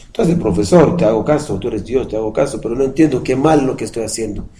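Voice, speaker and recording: A man's voice: mid-range voice, quick pace, crowd noise, rough recording. A man teaching a Jewish study class, explaining patiently, putting questions to his listeners and chanting verses in Hebrew. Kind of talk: religious study lecture with a live class.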